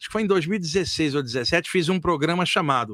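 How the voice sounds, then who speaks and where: A man's very fast, animated speech with lively intonation, dry and close with no echo, on a very clean recording against a silent background. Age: 60s. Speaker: spiritual teacher and medium. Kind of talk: interview.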